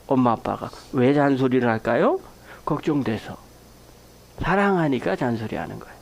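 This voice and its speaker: A man's voice: mid-range voice, moderate pace, vocal fry. A middle-aged man preaching a Sunday sermon as pastor, telling stories with acted-out dialogue and asking the congregation for amens. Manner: animated storytelling, acts out quoted dialogue; addresses congregation directly, asks for amens.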